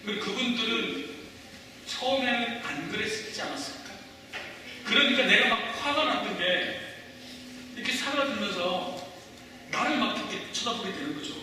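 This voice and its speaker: A man's voice: high-pitched, expressive, normal speed, pauses often, pushed and bright, distant mic, a little hiss or hum. A pastor in his forties preaching a sermon, talking conversationally and quizzing the congregation with questions, heard from off the mic in an echoey church hall. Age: 40s.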